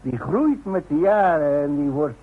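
An actor playing a proud, gruff old chimney worker in a Dutch radio play, plain-spoken and halting. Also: male voice, fairly high pitch, animated, heavily acted. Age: older. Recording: muffled phone-like old radio recording, faint noise.

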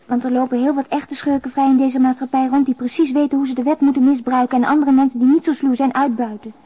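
A woman's voice: high-pitched, flat delivery, fast. An actress playing a despairing young single mother who confides in a plain, subdued way, as in a radio drama letter. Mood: tender, confiding. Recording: dull, lo-fi radio drama recording.

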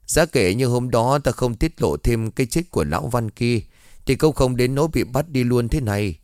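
Young man's ghost, frightened, resigned, lively pitch, read by a male storyteller. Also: normal speed, no room sound, clean studio sound, lightly acted. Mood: grave.

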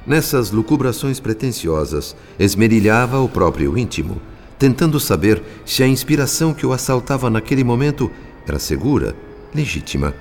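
A man's voice: medium pitch, big pitch swings, moderate pace, a little mellow. A man with a Brazilian accent giving solemn, formal scripted narration for a radio drama. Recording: faint music behind the voice.

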